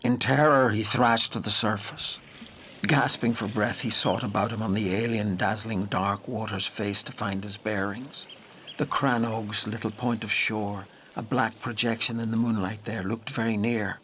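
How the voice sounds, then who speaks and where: Low male voice narrating an audio drama, grave n intense, big pauses, noisy background. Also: steady tone. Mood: urgent. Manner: measured, intense, dramatic pauses, dropping to hushed phrases. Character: grave narrator haunted by a wild lake memory.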